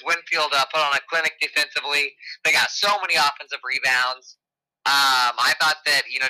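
A man with a gravelly, strained, hoarse voice, giving a conversational basketball recap as a guest sports reporter. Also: mid-range voice, pushed and bright, poor audio. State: hoarse, voice nearly gone.

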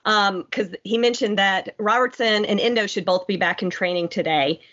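A woman's voice: medium pitch, steady tone, moderate pace, a bit bright. Nasal, congested woman co-hosting a podcast. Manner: tentative, hedges what she reports. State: congested from a cold. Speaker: podcast co-host. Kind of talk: casual podcast chat. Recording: dull lo-fi podcast audio.

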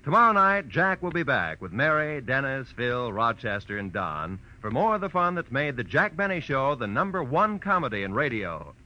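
A man's voice: medium pitch, very animated, normal speed, few pauses, bright, forceful tone. An American man announcing on 1940s radio in a polished, formal broadcast delivery. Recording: dull old radio broadcast.

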